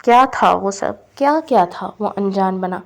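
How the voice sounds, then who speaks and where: A woman voicing an ailing, demanding mother in a novel read aloud, in a flat, even reading voice. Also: medium pitch, gravelly, natural voice. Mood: reproachful.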